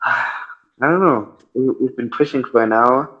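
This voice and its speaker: A man's voice: medium pitch, a little slow. Rambling man hosting a podcast, lo-fi sound. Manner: rambling, blunt and jokey, stumbles over words. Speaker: podcast host. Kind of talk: casual chat. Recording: dull lo-fi recording.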